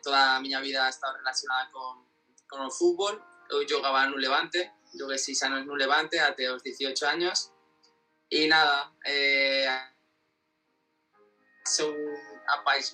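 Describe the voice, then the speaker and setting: A man in his twenties from Spain with a Spanish accent, a native Spanish speaker giving casual, halting interview answers as he searches for words. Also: mid-range voice, steady tone, sharp tone. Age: 20s. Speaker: interview guest, football fan. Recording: distant mic with faint music behind.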